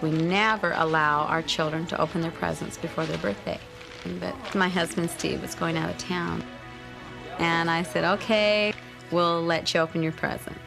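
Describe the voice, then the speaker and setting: Middle-aged woman, lowish voice, gravelly texture, music under. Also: fairly even intonation, moderate pace. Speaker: mother interviewed. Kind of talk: interview recollection.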